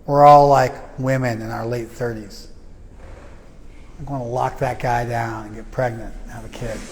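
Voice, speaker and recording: A man's voice: medium pitch, little pitch movement, moderate pace, a little hiss or hum. A man teaching a class in a loose, conversational way, with joking asides and plenty of fillers. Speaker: spiritual teacher. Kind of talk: informal class lecture. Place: class venue with reverb. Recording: long hall reverb.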